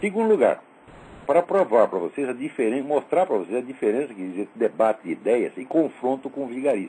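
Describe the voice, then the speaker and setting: Very fast and fairly high-pitched, a man's voice makes very wide pitch swings. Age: 60s. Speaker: philosopher and radio host. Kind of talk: opinion monologue. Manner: animated.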